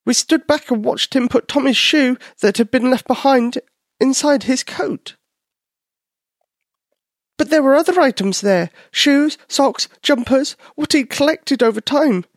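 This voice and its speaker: Storybook mouse: man putting on a very high, jittery little mouse voice, dry close sound. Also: unhurried, no echo. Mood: scared. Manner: high, excited, fearful. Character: small frightened young male mouse.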